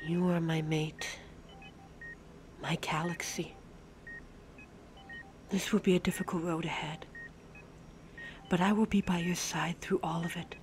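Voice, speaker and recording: Woman playing distraught werewolf girl, devoted type, slow halting pleading delivery, lowish voice, audio drama w some hiss. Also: fairly even intonation, lightly acted. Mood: tender, hushed. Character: distraught young female werewolf, fiercely devoted to her mate. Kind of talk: amateur audio drama acting.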